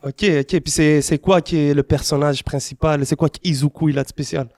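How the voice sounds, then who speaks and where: A man's voice: a little high, steady tone, brisk, darkish tone, no echo. Easygoing man interviewer, dry sound. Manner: easygoing, hesitant questions with fillers. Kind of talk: casual interview questions.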